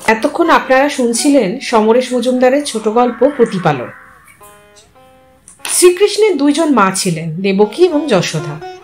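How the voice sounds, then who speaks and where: High, animated woman narrator, expressive audio story reading.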